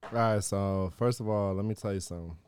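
A young man co-hosting a casual podcast, excitable and laughing. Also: on the low side, fairly quick, clean tone, no echo. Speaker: podcast co-host. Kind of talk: casual chat.

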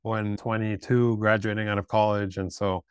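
A man in his thirties from Peru, a guest telling his story in a casual interview, relaxed and rambling with restarts. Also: on the low side, normal speed, clear, resonant tone, no room sound, studio quality. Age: 30s. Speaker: guest, startup founder.

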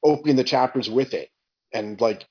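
Man, laid-back movie chat, husky voice, dull sound. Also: mid-range voice, moderate pace. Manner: easygoing, repeats "cool" and "like". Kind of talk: casual movie discussion.

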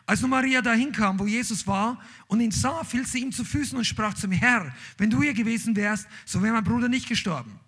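A man's voice: sits high, slightly rough. A man preaching a sermon, reading scripture aloud and then driving his point home with emphatic, rising outbursts. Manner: emphatic, rising to shouts on key lines.

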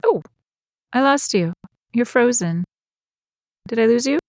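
A woman chatting casually as an interview guest, talking in an animated, expressive way that wanders off on tangents. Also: fairly high pitch, measured pace, no echo, clean studio sound. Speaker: guest, audiobook narrator and acting coach.

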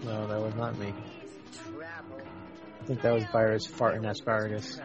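A man's voice: fairly low pitch, fairly even intonation, measured pace, over music. Man cracking goofy jokes. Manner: goofy wisecracks. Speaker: podcast co-host. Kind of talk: casual movie riff chat. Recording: dull lo-fi audio with film playing.

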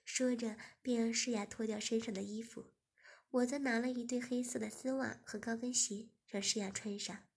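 A woman reads a first-person story aloud in a steady, low-key way. Her voice sits a little high, with a gravelly fry and a husky grain. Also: moderate pace. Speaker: story reader.

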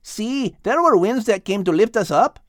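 Man voicing an earnest, high-pitched little hummingbird. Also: expressive, moderate pace, no room sound, studio quality, close to an everyday voice. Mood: eager. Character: earnest, grateful little male hummingbird, weary traveler.

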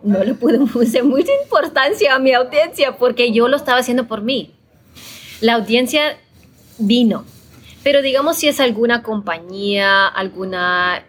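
A woman born in El Salvador speaks as an interview guest about making podcasts. She talks in a thoughtful, conversational way, often repeating herself and checking in with her listener. Her voice sits at a middle pitch. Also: a bit bright. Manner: thoughtful, repeats words, frequent tag questions.

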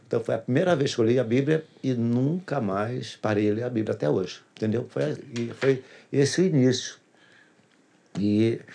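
A man's voice: medium pitch, darkish tone, slightly rough. A pastor tells his personal testimony in a casual interview, earnestly repeating phrases for emphasis.

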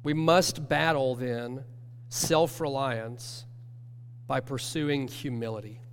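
Brief: man with a cold, nasal church teacher, earnest and measured, long reverb around him. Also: mid-range voice, fairly even intonation. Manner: earnest, measured, self-correcting. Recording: long hall reverb with faint hum.

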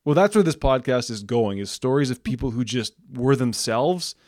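A man hosting a podcast interview, relaxed and agreeable, thinking aloud with restarts. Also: medium pitch, normal speed, dry recording, clean studio sound. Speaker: podcast host.

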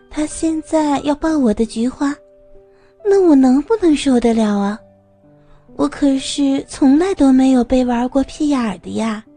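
A woman narrating a first-person adult audio story in an intimate, breathy manner. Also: high voice, mellow.

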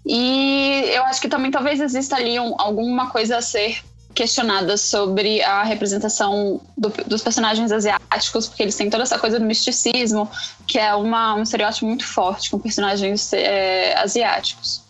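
A woman's voice: on the high side, little pitch movement, normal speed, a bit bright, soft background music, poor audio. A woman with a Brazilian Portuguese accent, talking casually about film as a podcast panelist.

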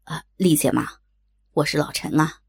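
A woman doing a raspy, pushy middle-aged businessman. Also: deep voice, normal speed, voice pushed down, exaggerated voice. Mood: jovial.

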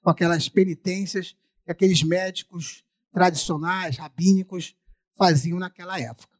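A man's voice: high voice, fairly even intonation, moderate pace. A man with a Brazilian Portuguese accent preaching a sermon through a face mask, repeating phrases for emphasis.

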